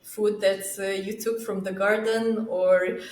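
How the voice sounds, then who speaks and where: A woman's voice: medium pitch, level tone, a little slow, darkish tone, echoey room, slight background noise. A woman from Romania, a summit co-founder, talks casually in an interview and often hesitates with fillers and restarts.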